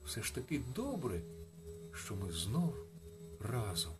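A man voicing a small, gentle hedgehog in a storybook reading, speaking softly and slowly in a hushed tone. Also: on the low side, wildly swooping pitch, voice pushed up, exaggerated voice. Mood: quiet. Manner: soft, slow, hushed.

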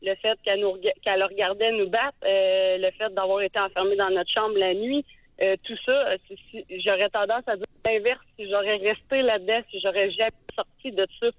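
A Québécois woman in her thirties calling in to a radio show, talking hesitantly with many filler pauses over a phone line. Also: mid-range voice, fairly even intonation, no room sound. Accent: Québécois French. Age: 30s. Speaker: radio caller. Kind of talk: call-in talk. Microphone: telephone.

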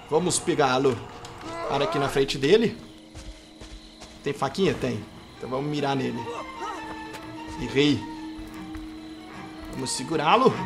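A man with a Brazilian Portuguese accent commenting on his gameplay, playful and trash-talking, bursting into excited shouts. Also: medium pitch. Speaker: gameplay youtuber.

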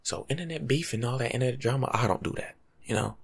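A young American man giving casual, slangy life-coach advice in an ASMR monologue, breathy and often dropping to a whisper. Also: medium pitch, quick pace. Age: young adult. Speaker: ASMR video creator. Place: small room at home, indoors.

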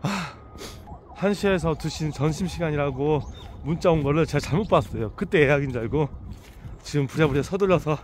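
A man's voice: fairly high pitch, fairly quick, slight background noise. A man talking casually to rescued dogs in a rural yard. He baby-talks to the puppies and laughs often. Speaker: vlogger caring for rescued dogs. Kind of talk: casual vlog talk to dogs and viewers. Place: rural yard with dog kennels.

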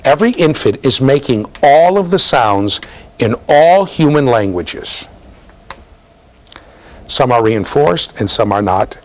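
A middle-aged man giving an interactive university lecture, quizzing his students as he talks. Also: mid-range voice. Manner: questioning students, lively, gestures while talking. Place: office with bookshelves, linked to a classroom.

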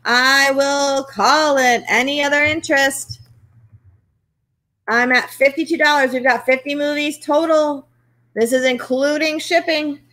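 Brisk middle-aged woman calling auction bids. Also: high voice, steady tone, bright, forceful tone. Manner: brisk rhythmic bid calling. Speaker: auction host. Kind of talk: live online auction calling. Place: home room, indoors.

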